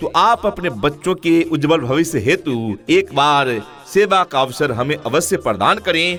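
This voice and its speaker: This man's voice sits at a fairly high pitch, with vocal fry. His intonation is lively. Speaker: advertisement voice-over artist. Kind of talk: school radio advertisement read. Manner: upbeat, energetic, promotional.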